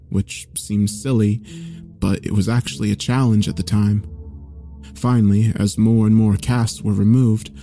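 A man narrating a scripted first-person horror story in a measured, solemn way. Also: on the low side, gravelly, warm tone. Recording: faint music behind. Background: faint background music.

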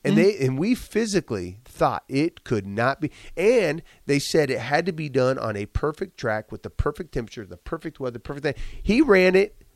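A man's voice: fairly high pitch, very animated, normal speed, no echo, clean studio sound. A man who is a business owner speaks candidly in an interview. He is congested, repeats himself a lot and talks with emphasis. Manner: emphatic, repeats words often. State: congested, chesty cough.

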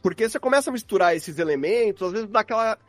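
A man's voice: sits high, animated, quick pace, dry recording, faint music behind. A Brazilian man explaining things in casual, rambling, slangy conversation, like a guest on a podcast. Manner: informal, rambling, uses slang.

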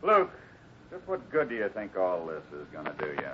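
Firm cowboy hero, animated pitch. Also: male voice. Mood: calm defiance. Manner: measured, firm, unruffled. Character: steady, defiant cowboy ranch hero. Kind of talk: 1950s radio adventure acting. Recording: muffled, noisy 1950s radio recording.

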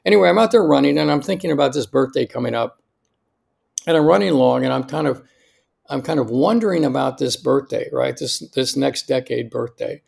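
An American man in his sixties speaking as a podcast guest in a conversational, emphatic way, often checking in with a quick "right?". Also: medium pitch, gravelly, darkish tone, slightly rough. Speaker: podcast guest, longevity doctor. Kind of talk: conversational interview, personal anecdotes.

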